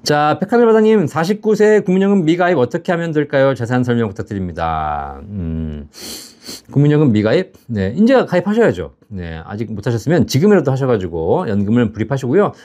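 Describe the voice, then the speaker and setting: Lively, chatty man in his fifties. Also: medium pitch, fairly quick. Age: 50s. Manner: chatty, laughs at his own stories, asks "right?" often. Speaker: pension advice host. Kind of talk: live-stream Q&A reading viewer comments.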